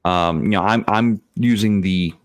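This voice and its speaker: A man speaking as a game master in a casual panel discussion, explaining things in a deliberate, wordy way. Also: on the low side, no echo. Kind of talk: casual panel discussion of role-playing games.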